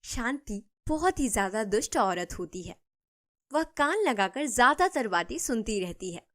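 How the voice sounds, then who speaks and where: A woman telling a cartoon story in steady scripted narration. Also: on the high side, measured pace.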